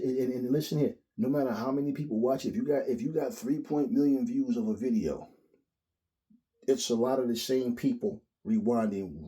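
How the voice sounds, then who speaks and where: A man, giving a blunt, profane, animated solo rant as a boxing commentary host. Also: medium pitch. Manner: blunt, profane, animated, mimics others in quotes.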